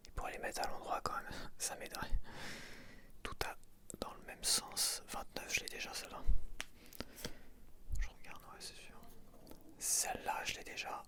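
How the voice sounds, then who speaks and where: A man whispering gently throughout an ASMR video, chatting and slowly counting aloud as he sorts stickers. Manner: soft unvoiced whisper throughout. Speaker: ASMR creator. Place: home setup with softbox lighting.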